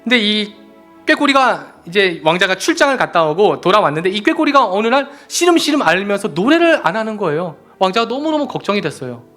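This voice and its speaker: A man preaching a sermon as pastor, animated and repeatedly appealing to his congregation. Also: sits high, brisk, soft background music. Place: church sanctuary.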